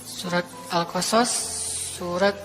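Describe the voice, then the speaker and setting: A man preaching a sermon, telling stories in a casual, animated, colloquial way. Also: high-pitched, slow. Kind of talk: sermon storytelling. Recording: reverberant hall with faint music.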